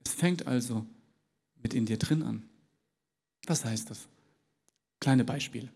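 A man's voice: mid-range voice, a little slow, gravelly, a little mellow, breathy edge, in a large hall. A man preaching a sermon in a large church, talking straight to his listeners and acting out small everyday dialogues. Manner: conversational, addresses listeners directly, acts out little dialogues.

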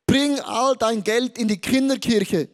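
A man preaching a sermon, telling family stories and acting out the voices in the quotes with big swings in pitch and loudness. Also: measured pace. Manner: animated, acts out quotes with shifting pitch and loudness. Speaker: pastor. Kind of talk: energetic sermon storytelling.

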